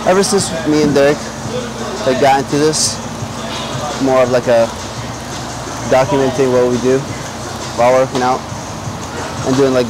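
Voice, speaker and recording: A young man giving casual, halting vlog commentary while lifting weights in a noisy gym. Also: medium pitch. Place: indoor warehouse-style gym. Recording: clear gym noise, mic'd up.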